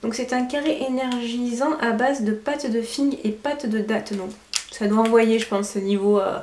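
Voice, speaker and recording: A woman vlogger chatting through a casual product review, hesitant with fillers and quick self-corrections. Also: fairly high pitch, a little mellow. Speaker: lifestyle vlogger. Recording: roomy echo, faint background noise.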